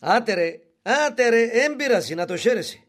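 An actor playing a disgruntled, grudging brother speaking Cypriot Greek dialect. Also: male voice, extremely high pitch, expressive. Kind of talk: dramatic dialogue in dialect.

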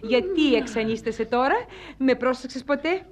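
A woman playing a dignified, sharp-tongued wronged wife in a theatrical comedy, composed, formal and dryly ironic. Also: sits high, lively intonation. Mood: coolly defiant. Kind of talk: theatrical stage-comedy acting.

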